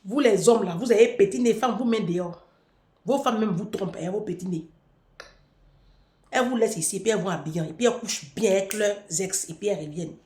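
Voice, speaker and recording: A woman's voice: medium pitch, quick pace, darkish tone. A woman delivering a taunting, provocative vlog rant. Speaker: vlogger. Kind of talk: mocking monologue to camera. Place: room in France. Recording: echoey room.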